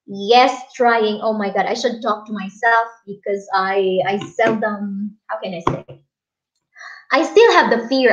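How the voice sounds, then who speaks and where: A young Filipina English teacher hosting a casual live stream from a small room, chatting with viewers and reading their comments aloud. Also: female voice, fairly high pitch, highs cut off. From Philippines.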